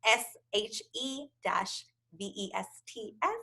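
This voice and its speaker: A woman's voice: mid-range voice, slow pace, creaky, bright, forceful tone. An American woman speaking as a panelist in a casual motivational chat, with an enthusiastic, encouraging manner. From United States, first-generation Fijian family.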